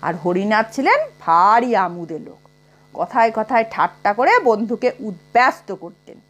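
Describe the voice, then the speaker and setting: A woman narrating a comic short story aloud in an expressive, unhurried manner. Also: medium pitch.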